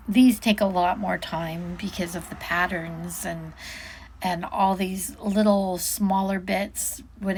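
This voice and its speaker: Speaking in a mid-range voice, a woman walks through a product casually and without a script, thinking out loud as she chats and often breaking off mid-thought.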